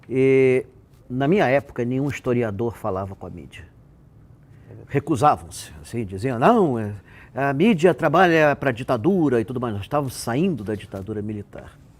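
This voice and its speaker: Medium in pitch, a man with an ordinary speaking voice talks at a moderate pace. His intonation is lively and his loudness swings widely. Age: 60s. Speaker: historian and architect. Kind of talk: interview.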